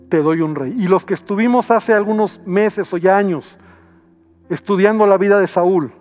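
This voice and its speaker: Mexican man, pastor, sermon, high voice, dramatic pleas, soft music underneath. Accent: Mexican Spanish. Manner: dramatic, acting out people's pleas in short quoted bursts; drops to a near murmur to stress a point.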